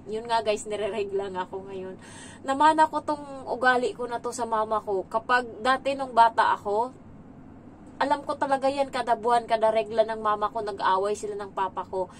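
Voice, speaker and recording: Woman from the Philippines, domestic helper, casual vlogger; talkative, drops English words, laughs often; slightly high voice. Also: fairly even intonation, normal speed, a little hiss or hum, poor audio. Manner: chatty, mixes English into her talk, laughs between stories. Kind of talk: casual vlog chat.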